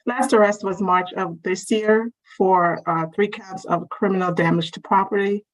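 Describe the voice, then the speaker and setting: A woman's voice: medium pitch, fairly even intonation, normal speed, low-quality recording. A woman court clerk reading a defendant's criminal history aloud, methodically spelling out case numbers.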